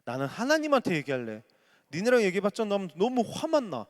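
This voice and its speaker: A man's voice: sits high, huge pitch swings, quick pace, big-room sound, voice pushed up. A preacher acting out an aggrieved, sarcastic old biblical man. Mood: pleading.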